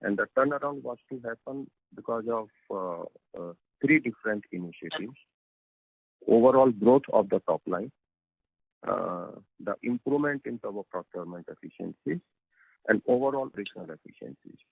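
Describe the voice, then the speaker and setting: An Indian-accented man speaking as a company executive on a conference call, explaining in a measured, halting way with frequent hesitations. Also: fairly low pitch, lively intonation, gravelly, slightly rough, no echo. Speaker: company executive answering investor questions. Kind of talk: earnings call answer, explanatory. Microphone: telephone conference call. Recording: tinny, narrow phone conference line.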